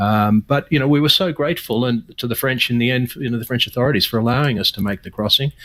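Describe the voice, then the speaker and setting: Very fast male speech in an Australian accent, medium in pitch, with hardly any pauses. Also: ordinary pitch variation. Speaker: cycling club chairman and record-setting cyclist. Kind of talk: radio interview. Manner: halting, with fillers and restarts.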